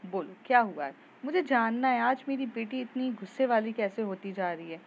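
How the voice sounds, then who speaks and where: A woman voicing a gentle, caring father who softly coaxes his daughter to talk in a told story. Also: on the high side, lively intonation, moderate pace, gravelly, muffled recording, slight background noise. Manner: soft, coaxing, reassuring.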